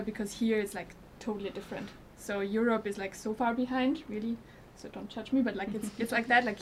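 A woman's voice: fairly high pitch, a little hiss or hum. A woman from Austria introducing herself on a podcast panel, enthusiastic and rambling. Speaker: panel guest. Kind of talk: casual self-introduction.

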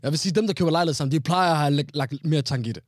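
A man's voice: on the high side, no echo, studio quality. A man chatting casually and teasingly with a friend, playful and full of slang. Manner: playful, teasing, lively, mixes Danish with English slang. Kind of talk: casual chat.

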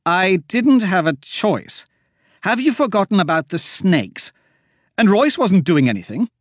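A man voicing a sharp-tongued young woman treasure hunter who talks in a bossy, dismissive way. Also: high voice, wildly swooping pitch, moderate pace, husky, no room sound, clean studio sound, pitched above the performer's own voice, heavily acted. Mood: scornful.

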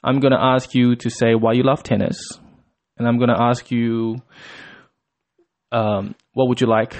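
A man's voice: mid-range voice, level tone, normal speed, a little mellow. A man hosting a casual interview, chatty and upbeat, with frequent stammering restarts. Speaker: podcast host.

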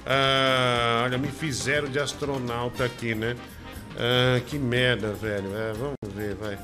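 A man's voice: medium pitch, steady tone, unhurried, over music. A man hosting a comedy show, chatting in a profane, teasing way. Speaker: show host. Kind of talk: crude comedy live show chat.

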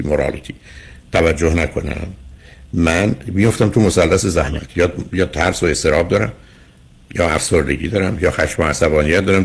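With a very deep, creaky, husky voice, an older psychologist hosting a radio call-in show lectures a caller forcefully, calling him "dear" again and again.

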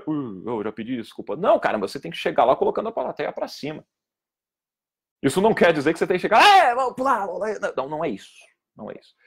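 Man, husky voice, public speaking teacher, emphatic, casual lesson. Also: mid-range voice. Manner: emphatic, lively, scolding tone, acts out quoted students. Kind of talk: informal video lesson.

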